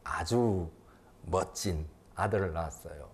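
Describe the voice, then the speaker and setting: Unhurried and low-pitched, a fifty-something pastor moves from booming declarations to hushed, personal moments in his sermon. He repeats phrases to stress his points.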